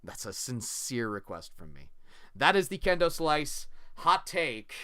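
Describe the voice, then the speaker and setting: A man's voice: medium pitch, very animated, slow, heavy background noise. A man hosting a livestream, talking casually and earnestly as he thanks viewers. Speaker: livestream host.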